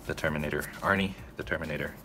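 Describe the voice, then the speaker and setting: A man's voice: very deep voice, fairly even intonation, racing, sharp tone, soft background music. A man hosting a narrated drawing tutorial, talking casually to viewers and checking in with them often. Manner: casual, addresses viewers directly, frequent "okay?" check-ins.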